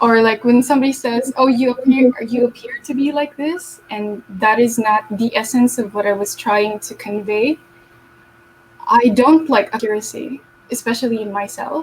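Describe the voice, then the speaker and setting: Amid noticeable background noise, a woman with a non-native accent talks at a moderate pace, her fairly high pitch showing ordinary pitch variation. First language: not English. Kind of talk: casual chat.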